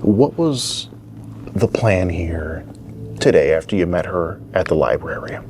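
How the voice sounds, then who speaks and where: A man with a fairly low voice confronts someone in a steady, persistent way. He keeps circling back to the same questions. Clear background noise runs under the recording. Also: measured pace. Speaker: confronting interviewer. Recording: noisy ambient background.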